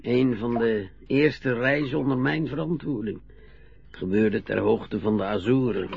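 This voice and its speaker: An actor playing a proud old retired sea captain, dependent and easily tearful, with a halting, gruff, folksy way of talking in a radio play. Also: male voice, mid-range voice. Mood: reflective storytelling. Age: older. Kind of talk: naturalistic Dutch radio play acting. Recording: dull, muffled old radio recording.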